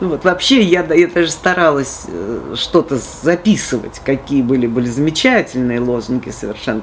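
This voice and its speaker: A woman speaks at a moderate pace with a very deep, low pitch and lively intonation. Noticeable background noise runs behind her. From Moscow. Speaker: philologist. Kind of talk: oral history interview. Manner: animated storytelling.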